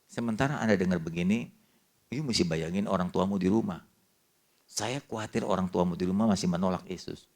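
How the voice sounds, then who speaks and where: An older male pastor preaching with a fairly low voice. He tells a family story in lively dialogue and drops casual slang in among the formal words. The delivery stays lively and personal throughout. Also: a little fast. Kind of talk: sermon.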